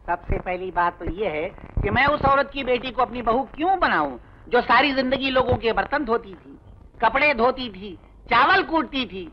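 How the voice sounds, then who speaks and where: A man's voice: extremely high pitch, lively intonation, muffled recording, a little hiss or hum. An actor playing a scheming, sarcastic village accountant and father in an old film comedy scene. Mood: gloating. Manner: sarcastic, fast-talking, full of quips. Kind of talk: 1980s film comedy acting.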